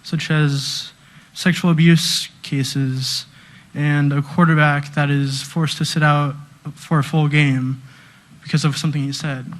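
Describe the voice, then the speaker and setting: A man making a public comment in a steady, flat voice that sits a little high. He sounds pointed and critical. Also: measured pace.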